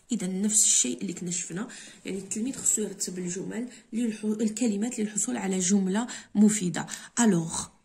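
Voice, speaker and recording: A woman with a Moroccan accent, a teacher reviewing a French exam, reading examples slowly and explaining quickly in between. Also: medium pitch, creaky, mellow. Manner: switches between slow dictation-like French and quick Darija explanations.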